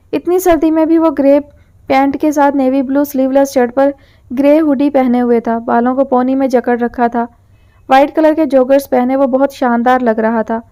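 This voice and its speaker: A woman narrates a novel in a steady, even storytelling manner. Her voice sits high yet sounds mellow and dark, with a smooth, clean tone. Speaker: audiobook narrator. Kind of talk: scripted audio novel narration.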